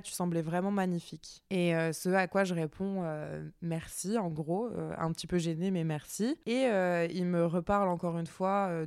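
A woman's voice: fairly low pitch, a little mellow, clear, resonant tone, dry recording, clean studio sound. A young woman from France telling a personal story on her podcast in a chatty way, full of fillers and asides to her listeners. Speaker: podcast host. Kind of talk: casual storytelling.

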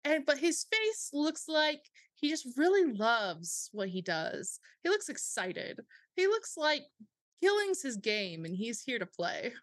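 A woman's voice: high voice, big pitch swings, slow, no echo, studio quality. A woman playing a tabletop role-playing game, playful and giggly as she describes characters. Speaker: player. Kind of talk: casual tabletop play.

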